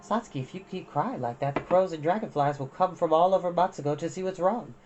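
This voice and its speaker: A reader doing a soft, soothing old granny. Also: mid-range voice, sing-song, moderate pace, breathy edge, soft background music. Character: gentle elderly grandmother, soothing and kind. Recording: slightly dull lo-fi recording.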